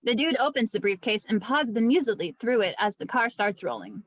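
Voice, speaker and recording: A woman reading screenplay stage directions as scripted narration, with vivid, deliberate storytelling. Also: a little high, expressive, dry recording.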